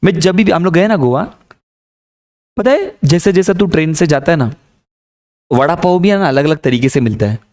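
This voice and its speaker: Male teacher, casual jokey storyteller, slightly high voice. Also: animated, normal speed, long pauses, darkish tone. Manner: casual, joking, mixes in English. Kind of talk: lively classroom storytelling.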